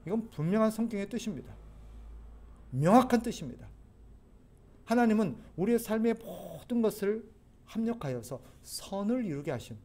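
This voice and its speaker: A male pastor with a high, bright-sounding voice delivers a sermon. He speaks earnestly and exhorts his congregation, at times pleading with them urgently. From South Korea.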